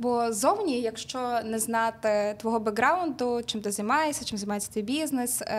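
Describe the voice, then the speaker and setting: With hardly any pauses, a woman speaks at a fairly slow pace and fairly high pitch, showing ordinary pitch variation over noticeable background noise. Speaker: podcast host. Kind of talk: interview.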